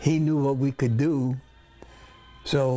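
The speech is very slow, with ordinary pitch variation. Faint music plays in the background. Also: man. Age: 80s+. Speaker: war veteran. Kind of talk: interview answer. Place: home room. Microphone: lapel.

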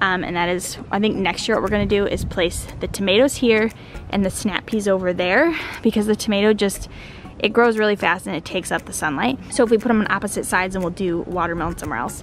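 A woman talks at a very fast pace with ordinary pitch variation. Faint music sits in the background, and the sound is dry with no echo. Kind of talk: casual vlog chat. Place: garden. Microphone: phone near.

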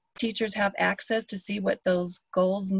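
A woman speaks in a somewhat breathy voice at a fairly slow pace against a quiet background. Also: dry sound with no echo. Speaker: special education administrator; presenter. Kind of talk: slide presentation. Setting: video call. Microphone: video call.

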